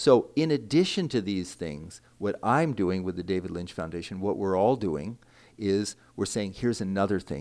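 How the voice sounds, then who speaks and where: Fairly quick and fairly low in pitch, a man speaks in a plain, everyday voice. The recording is very clean, with a silent background. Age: 60s. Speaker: radio host and meditation teacher. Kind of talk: interview.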